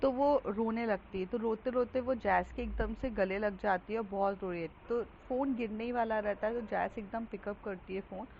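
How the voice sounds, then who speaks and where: A woman's voice: medium pitch, moderate pace, creaky, few pauses. A woman narrating a romance story in a casual, conversational way, with frequent fillers. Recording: dull lo-fi with faint hiss.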